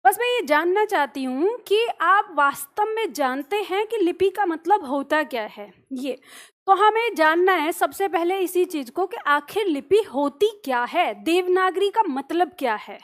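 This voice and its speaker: A woman with a high voice teaches a grammar lesson. She explains patiently with simple everyday examples. She keeps asking her class questions and then answering them herself. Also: animated, measured pace.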